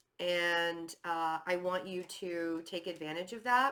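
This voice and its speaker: A loud woman. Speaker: tarot reader. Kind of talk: tarot reading. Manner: casual, filler-heavy.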